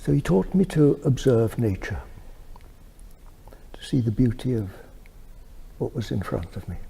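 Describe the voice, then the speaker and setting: A soft-spoken, somewhat breathy man at a medium pitch, with a dark, mellow tone and a fairly slow pace. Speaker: meditation teacher. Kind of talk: interview answer.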